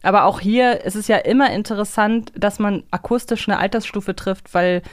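A woman's voice: mid-range voice, normal speed, dry recording, clean studio sound. Woman chatting casually, closely and dryly recorded. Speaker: podcast co-host. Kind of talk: casual fan podcast discussion.

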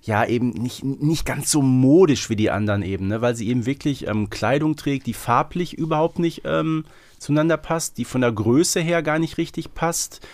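A man's voice: medium pitch, normal speed, a little mellow, no room sound. A man co-hosting a podcast, talking casually and loosely with frequent tag questions. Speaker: podcast co-host. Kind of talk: casual conversational podcast discussion.

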